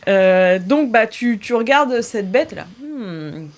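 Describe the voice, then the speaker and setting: A woman's voice: fairly high pitch, animated, slow pace. A young woman narrating as game master of an improvised tabletop game, hesitating with fillers and laughing often.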